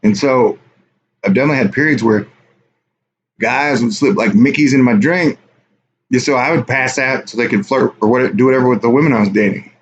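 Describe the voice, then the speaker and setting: A man's voice: mid-range voice, fairly quick. Rambling man on a lo-fi livestream. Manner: rambling, offhand, reads chat aloud. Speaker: livestream host. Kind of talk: casual live stream chat with viewers. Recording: dull lo-fi stream audio with faint hiss.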